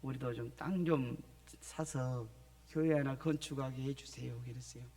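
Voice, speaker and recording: A man's voice: medium pitch, steady tone, moderate pace, dark tone. A middle-aged male missionary from the Jeolla region preaching in a church, telling his story with acted-out phone calls. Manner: storytelling, acting out phone calls in other voices. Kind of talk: sermon testimony. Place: church sanctuary.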